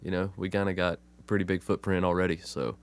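A hoarse, low-voiced man talks in a laid-back, easy way. He has a cold, and his voice comes out rough. The recording is close and dry. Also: flat delivery, quick pace, no echo. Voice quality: rough, smoker-like voice. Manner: laid-back, swears casually, says "man" a lot. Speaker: podcast co-host. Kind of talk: casual chat.

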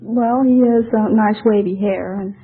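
A woman's voice: mid-range voice, steady tone, unhurried, faint music behind. A woman quiz contestant giving unscripted answers in a hesitant, giggly way. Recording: tinny old radio broadcast, faint audience.

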